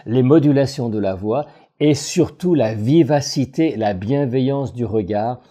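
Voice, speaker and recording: A man, a voice coach, reads a scripted voice-over analysis in a measured, analytical way. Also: mid-range voice. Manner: measured, analytical, expressive phrasing.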